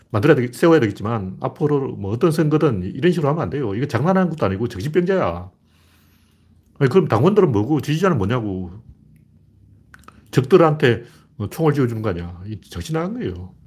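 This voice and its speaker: 거친 목소리의 열띤 정치 논평 남성. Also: male voice, medium pitch, breathy edge. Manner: blunt, heated and scornful, rising to near-shouting. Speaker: livestream host. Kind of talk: political commentary livestream.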